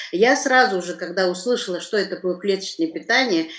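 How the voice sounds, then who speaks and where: A woman with a medium pitch and ordinary pitch variation talks fairly quickly. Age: 60s. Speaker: retired cook, product testimonial giver. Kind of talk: testimony. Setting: live stream video call. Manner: halting, many fillers.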